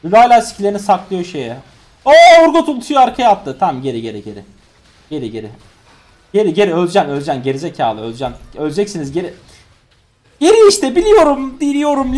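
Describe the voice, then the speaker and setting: A young man giving live gameplay commentary, ranting in exasperation and swinging between loud yells and low grumbles. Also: big pitch swings, fast. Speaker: gaming streamer.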